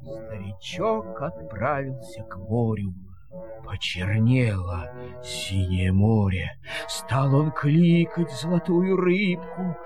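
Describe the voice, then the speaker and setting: A man narrating a verse fairy tale in a theatrical, measured storytelling manner. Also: medium pitch, music in the background.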